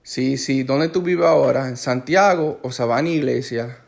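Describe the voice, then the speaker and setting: A Puerto Rican man with a Puerto Rican accent and a gravelly, mid-pitched voice. He chats in a relaxed, easygoing way, like catching up with family. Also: moderate pace, slight background noise. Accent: Puerto Rican Spanish. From Puerto Rico. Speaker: host chatting with a relative. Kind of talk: casual conversation.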